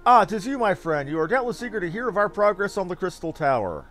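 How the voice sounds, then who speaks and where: An earnest expedition scholar from a fantasy game, acted out by a man. The voice sits high and moves around a lot, and the phrasing is courtly, wordy and archaic. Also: big pitch swings, fast, fairly bright tone, faint music behind. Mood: courteous, regretful. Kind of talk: fantasy game dialogue read aloud.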